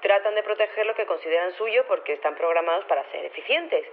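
A woman's voice: fairly low pitch, fast. Tinny phone voice, casual female professor. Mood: matter-of-fact, unflappable. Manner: rambling, colloquial, understated. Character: female robotics professor, casual, matter-of-fact, unflappable. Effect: telephone filter. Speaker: phone interviewee. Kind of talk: acted phone interview in audio fiction. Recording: tinny phone line with clear background noise.

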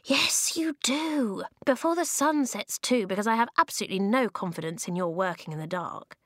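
A woman voicing a pompous, cranky man made of rocks in a children's audiobook, with a high, reedy, creaky voice and a tart, complaining manner. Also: animated, normal speed, a bit bright, dry recording, clean studio sound. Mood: exasperated. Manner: tart, snapping, haughty complaining.

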